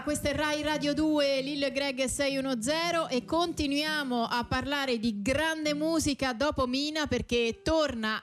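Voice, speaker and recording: A woman's voice: high-pitched, a bit bright. A woman radio host introducing and interviewing a guest in conversational banter.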